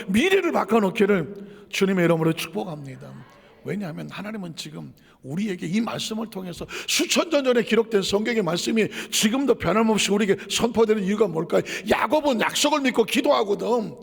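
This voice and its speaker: Male pastor, high gravelly voice, fervent sermon in a reverberant church. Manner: emphatic, repeats phrases, asks the congregation questions. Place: church sanctuary.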